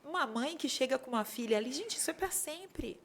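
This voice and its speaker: A woman guest on an interview podcast, telling stories in a casual, animated way and acting out dialogue in them. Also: high-pitched, a little fast. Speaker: podcast guest, bridal designer. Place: podcast studio.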